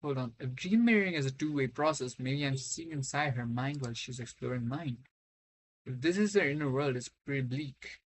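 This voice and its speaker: A man's voice: mid-range voice, a little fast, rough recording. A man live-streaming a game, reading dialogue aloud and reacting casually.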